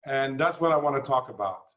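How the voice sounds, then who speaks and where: A man raised in Canada and the United States, giving a formal address as a guest speaker in a measured, explanatory way with fillers. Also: medium pitch, lively intonation, a bit bright, lo-fi sound.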